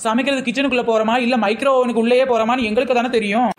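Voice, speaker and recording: Woman doing a snappy sarcastic housewife in a cartoon, talks fast, kinda high. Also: steady tone, close to an everyday voice. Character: sharp-tongued, overheated housewife. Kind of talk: cartoon comedy voice acting.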